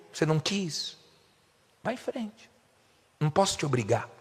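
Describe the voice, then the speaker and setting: A man speaks with lively intonation. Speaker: bishop preacher. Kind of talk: sermon. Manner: animated.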